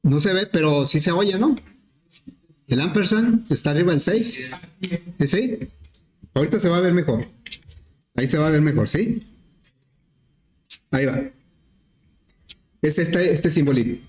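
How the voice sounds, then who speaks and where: A man teaching programming, explaining step by step with questions to the class and often clearing his throat. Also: on the high side, lively intonation, measured pace, long pauses. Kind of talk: screen-recorded class explanation. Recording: echoey room.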